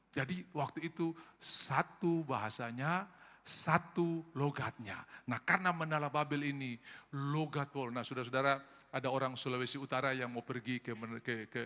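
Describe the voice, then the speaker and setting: A man preaching a sermon as pastor, animated and joking, mimicking regional accents. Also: mid-range voice. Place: church hall. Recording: long reverb of a church hall.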